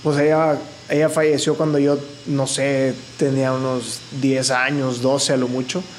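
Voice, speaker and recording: A man speaks at fairly high pitch in a monotone, flat way. Audible room echo and noticeable background noise surround him. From Monterrey, northern Mexico. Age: 20s. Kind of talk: casual interview testimony.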